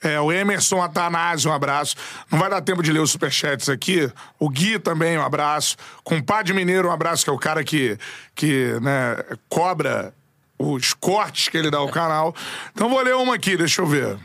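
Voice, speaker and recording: A man hosting a podcast, reading out viewer shout-outs in casual chat with a Brazilian Portuguese accent. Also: fairly high pitch, lively intonation, normal speed. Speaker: podcast host.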